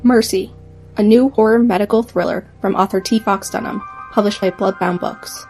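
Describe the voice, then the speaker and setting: A woman's voice: mid-range voice, fairly even intonation, normal speed. A woman reading scripted book trailer narration as an ad announcer. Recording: clear music behind voice.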